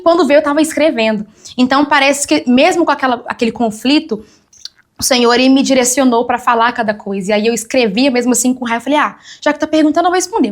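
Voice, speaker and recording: A young woman, telling her testimony as a guest on a church talk show and acting out the voices of people she quotes. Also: fairly high pitch. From Brazil.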